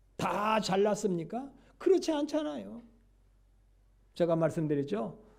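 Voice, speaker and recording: With an animated tone and a high pitch, a man talks at a fairly slow pace, his pitch swinging very widely between long, frequent pauses, with audible room echo. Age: 60s. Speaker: pastor. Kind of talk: sermon.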